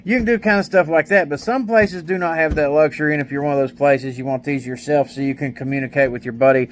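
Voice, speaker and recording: A man with a slightly higher-than-average voice talks through a product informally. His delivery is folksy and rambling, full of everyday colloquial phrasing. There is some noise behind him. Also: quick pace. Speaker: product reviewer, maintenance mechanic. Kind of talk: casual product review, informal chat. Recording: steady clear background noise.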